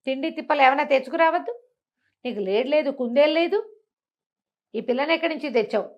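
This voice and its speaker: Woman acting a fierce, fast-scolding forest hunter's wife. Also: lo-fi sound, lightly acted. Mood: angry scolding. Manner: shrill-tempered, rapid-fire scolding.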